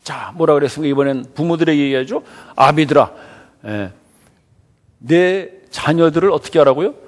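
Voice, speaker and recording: A man preaching a Sunday sermon as pastor, asking his congregation questions and answering them, dropping to near-whispers and rising to shouts. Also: on the high side, moderate pace, big-room sound. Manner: swings from soft near-whispers to loud shouted exclamations. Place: church sanctuary.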